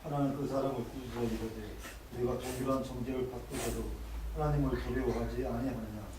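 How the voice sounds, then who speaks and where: A male church elder reading scripture aloud in a plain, measured way during a service. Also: mid-range voice, steady tone, warm tone. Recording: distant voice in an echoey church.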